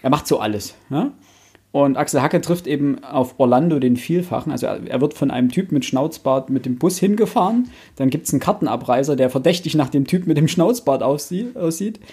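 A man's voice: fairly high pitch, expressive, a little fast, warm tone, husky. A man co-hosting a podcast in a casual, conversational style. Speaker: podcast co-host. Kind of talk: casual chat about books, films and series.

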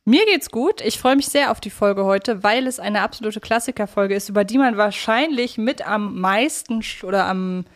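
A woman co-hosting a podcast, talking in a casual discussion style with a medium-pitched voice. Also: normal speed, hardly any pauses. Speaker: podcast co-host.

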